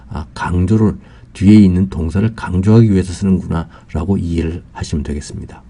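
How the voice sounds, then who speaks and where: Dark, gravelly-voiced male Korean English teacher. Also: fairly low pitch. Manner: slow and careful, drawing out English example phrases, with frequent "ah" fillers. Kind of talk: explaining grammar in a recorded lesson.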